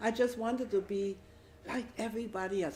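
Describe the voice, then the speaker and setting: A woman talks at a fairly high pitch with noticeable background noise around her. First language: German. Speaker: Holocaust survivor. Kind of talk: public talk with Q&A. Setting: embassy event with audience. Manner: halting.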